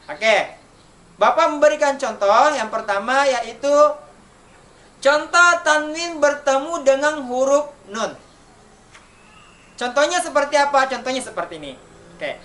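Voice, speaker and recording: A man teaching children Quran recitation rules in an online lesson, asking questions and answering them himself and chanting the examples slowly. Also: very high voice, lively intonation, sharp tone. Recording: distant mic, faint background noise.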